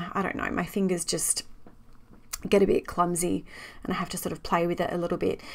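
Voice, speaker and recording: In an Australian accent, a woman with a fairly low pitch speaks in a flat monotone at a fairly quick pace with long, frequent pauses, on a very clean recording with a silent background. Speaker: scrapbooking youtuber. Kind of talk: voiceover tutorial. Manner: casual, conversational.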